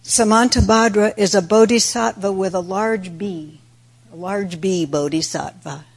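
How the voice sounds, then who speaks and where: A woman with a raspy voice, a little worn today, giving a reflective Buddhist dharma talk in measured, deliberate phrases. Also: medium pitch. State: raspy voice today with throat clearing. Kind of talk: sermon, reflective religious talk.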